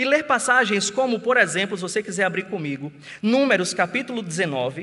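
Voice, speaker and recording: Over noticeable background noise, a man talks at a very fast pace in a raised, projected voice. His pitch is high and his intonation lively. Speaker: pastor. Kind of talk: sermon.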